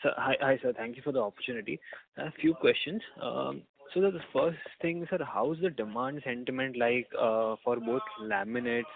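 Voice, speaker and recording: A man's voice: medium pitch, a little fast, gravelly. A man with an Indian accent politely asking questions as an analyst, in spontaneous, slightly hesitant phrasing. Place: on a phone call. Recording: tinny narrowband phone line.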